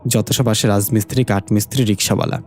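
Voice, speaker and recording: A man's voice: fairly low pitch, steady tone, fast talker, a little mellow, faint music behind, lightly acted. A man doing a cheeky young best friend girl. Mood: teasing. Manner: teasing, crude joking.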